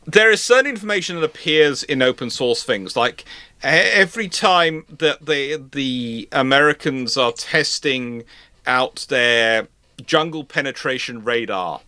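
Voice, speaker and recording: A man with a bright, forceful voice explains things as host of a live question-and-answer session. He speaks haltingly, stammering and doubling back to reword himself. The sound is dry, with very little room in it. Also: medium pitch, no room sound. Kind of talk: live question-and-answer talk on military history and current affairs.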